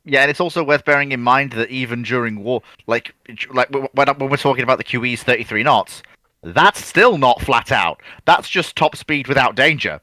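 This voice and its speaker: Bright-voiced man on a panel. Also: mid-range voice, moderate pace, dry recording. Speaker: guest panelist. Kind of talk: casual explanatory discussion.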